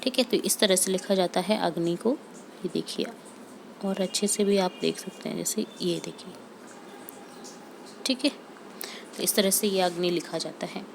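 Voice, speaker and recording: A woman's voice: fairly low pitch, fairly even intonation, normal speed, vocal fry, pauses often, slight background noise. A woman teacher going through a homework lesson for young pupils, patiently repeating example words and checking in with the class.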